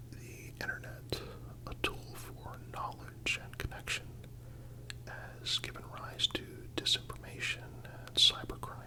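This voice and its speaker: This is an ASMR narrator who speaks entirely in a soft, breathy whisper. The delivery is slow and measured, with a soothing, contemplative feel. It sounds like a carefully scripted reflective reading. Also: very high voice, low-quality recording.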